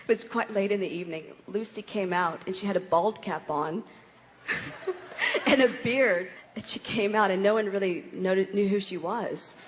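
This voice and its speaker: A giggly woman rambles through anecdotes on a convention panel, chatting casually. Her voice sits at an ordinary pitch. A long hall echo carries her words. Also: normal speed, few pauses. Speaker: guest actress on a fan convention panel. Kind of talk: casual on-stage chat. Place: large convention hall stage. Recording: echoey convention hall, faint noise.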